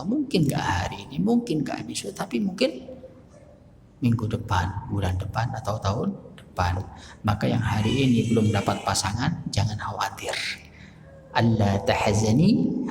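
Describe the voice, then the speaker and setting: A gravelly-voiced Indonesian man preaches in an animated way, slipping into quick acted scenes and jokes for his audience. His voice rings out through a large, reverberant hall, with a faint hum of room noise underneath. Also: on the low side. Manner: lively, jokes with the audience, acts out little scenes. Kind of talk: sermon. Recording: echoey hall with faint ambience.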